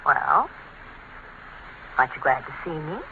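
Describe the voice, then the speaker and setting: A slangy flirt, bright sing-song voice, 1940s radio play, muffled and hissy. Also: female voice, sits low, lively intonation, measured pace, gravelly, full character voice. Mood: teasing. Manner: breezy, teasing slangy talk. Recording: dull noisy 1940s radio recording.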